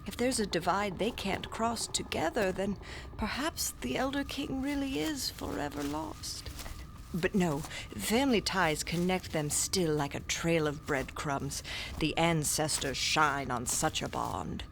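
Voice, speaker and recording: An actress narrating and playing a stern, learned woman classicist, with measured, formal, often hushed storytelling. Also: on the low side, lively intonation, vocal fry, background noise. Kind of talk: audio drama narration.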